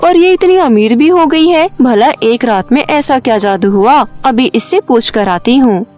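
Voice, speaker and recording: Narrator playing jealous young woman, highish voice, greedy, demanding, scheming, cartoon storybook style, woman's voice. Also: animated, a little slow, a little mellow, faint music behind. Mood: envious anger. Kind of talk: animated storybook voice acting.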